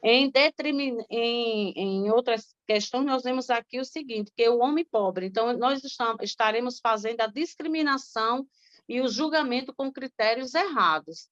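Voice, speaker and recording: Brazilian woman, Sunday school teacher, explanatory tone, high pitch, dull dry recording. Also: normal speed, a bit bright, no room sound. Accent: Brazilian Portuguese. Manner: explanatory, with filler tags. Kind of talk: Bible study podcast discussion.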